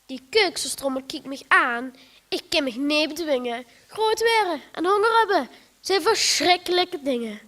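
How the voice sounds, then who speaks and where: A woman's voice: sits high, expressive, normal speed, a bit bright. A female contestant with a Limburgish accent reciting a rhymed poem dramatically.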